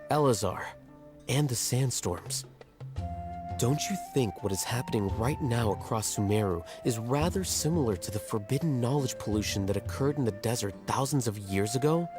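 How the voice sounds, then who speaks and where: A man playing an arrogant, cool-headed scholar in a fantasy video game, speaking in a measured, formal, condescending way. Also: medium pitch, lively intonation, over music, natural voice. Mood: coolly analytical. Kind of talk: scripted video game dialogue.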